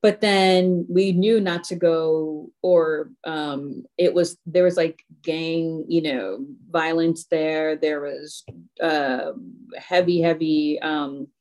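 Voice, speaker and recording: A woman from Haiti speaks as a guest on a podcast, recalling the past in a reflective, halting way. Her voice is somewhat low, and she pauses often with ums and restarts as she gathers her thoughts. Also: steady tone, darkish tone. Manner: thoughtful, halting recollection with many fillers. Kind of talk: casual chat.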